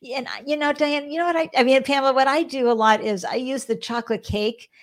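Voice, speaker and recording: A woman's voice: sits high, steady tone, fast. A woman with a Boston accent hosting an interview, upbeat and encouraging, often speaking straight to the listeners. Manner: encouraging, addresses listeners as folks. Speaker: podcast host.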